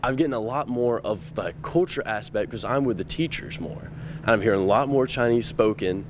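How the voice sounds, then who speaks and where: A young man, a camp counselor, speaking eagerly and quickly in a news interview, with restarts. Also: medium pitch, a little hiss or hum.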